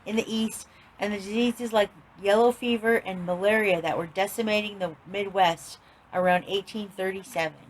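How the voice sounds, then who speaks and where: A woman's voice: mid-range voice, fairly even intonation, normal speed, a little hiss or hum, rough recording. A woman guest on a casual podcast, reading a passage aloud carefully and laughing easily. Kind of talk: casual chat.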